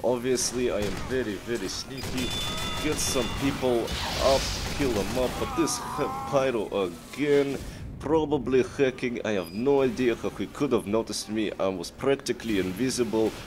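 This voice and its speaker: Lightly acting in a medium-pitched voice at a moderate pace, a man performs a comic Russian heavy gunner character, a vodka fan and self-styled big sneaky ninja, in broken English with a Russian accent. He starts out boastful and pumped, then turns mock-indignant, all over loud game combat noise.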